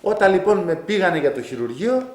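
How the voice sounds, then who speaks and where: A man giving spoken testimony of a miracle he lived through, telling it vividly and acting out what each person said. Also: sits high. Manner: lively storytelling that keeps acting out his own and others' words. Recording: roomy echo.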